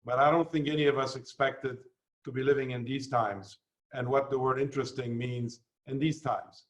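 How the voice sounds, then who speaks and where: Man giving a formal speech; measured, explains carefully, mid-range voice. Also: medium pitch, fairly even intonation, poor audio. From Canada and the United States. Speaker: guest speaker. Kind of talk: formal address.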